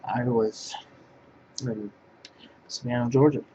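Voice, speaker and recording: A man from northwest Pennsylvania, talking to camera in a halting, rambling monologue that keeps restarting its phrases. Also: mid-range voice, steady tone. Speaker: language vlogger. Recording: dull lo-fi sound with clear background noise.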